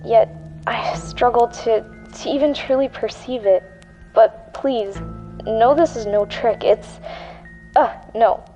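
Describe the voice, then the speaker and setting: An actress playing a frightened, haunted woman in an audio drama, speaking in a halting, earnest and insistent way. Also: fairly high pitch, warm tone. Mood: pleading. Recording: dull old tape recording, music behind.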